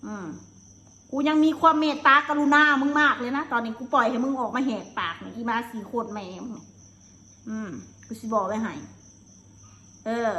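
High bright-voiced Lao woman ranting angrily. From Laos. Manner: angry, cursing, insulting tirade. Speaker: live streamer. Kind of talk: solo live-stream rant.

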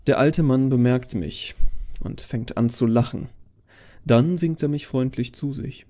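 A man's voice: medium pitch, unhurried, warm tone. A man reading scripted first-person horror fiction as a narrator, in a brooding, dramatic manner.

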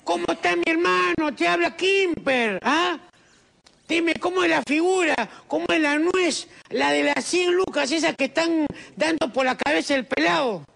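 A man's voice: very high-pitched, normal speed, gravelly, a bit bright. A man making a comic prank phone call, wheedling and scheming, calling everyone brother. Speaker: prank caller.

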